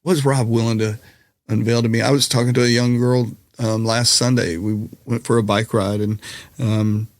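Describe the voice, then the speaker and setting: A middle-aged man, a musician and comedian, talking candidly on a podcast in a slightly raspy voice, mixing jokes with reflection. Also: medium pitch, level tone, normal speed, dry recording, clean studio sound. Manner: candid, reflective, jokey storyteller. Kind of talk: casual conversational interview.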